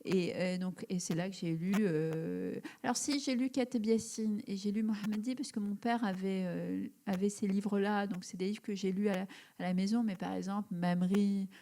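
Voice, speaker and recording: Thoughtful woman with a mellow voice. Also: mid-range voice, fairly even intonation, normal speed. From Algeria. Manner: thoughtful, many fillers and restarts. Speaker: writer, interview guest. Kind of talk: live public interview. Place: event hall before an audience.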